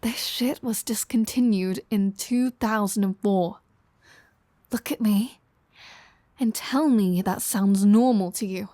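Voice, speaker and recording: A woman's voice: mid-range voice, takes it slowly, mellow, dry recording, lightly acted. A woman playing a flirty, sardonic female vampire in an audio roleplay, teasing the listener with dry sarcasm.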